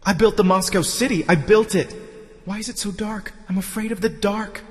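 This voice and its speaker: Male reader as dying wretch, delirious, pleading, strained high pitch, cavernous reverb, audiobook. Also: fairly quick, close to an everyday voice. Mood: delirious raving. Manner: pleading, rambling. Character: delirious dying victims, pitiful, raving and pleading.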